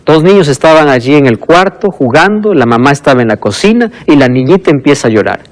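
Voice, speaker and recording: A man preaching a sermon as pastor, animated and acting out the voices of the people he quotes. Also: fairly high pitch, fairly quick, rough recording.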